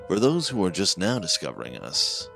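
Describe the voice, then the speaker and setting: A man's voice: low-pitched, wildly swooping pitch, normal speed, vocal fry, over music, exaggerated voice. A man playing a sinister, theatrical host of a mysterious horror broadcast, with grandiose, ominous emphasis. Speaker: host of horror anthology show. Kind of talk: theatrical scripted horror hosting.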